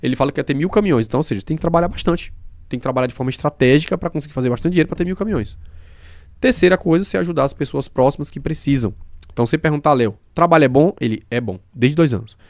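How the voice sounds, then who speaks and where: Fast, emphatic man hosting a podcast. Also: on the high side, creaky, a little mellow, no room sound. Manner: emphatic, explaining with examples; fast-talking. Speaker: podcast host. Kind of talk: casual podcast conversation.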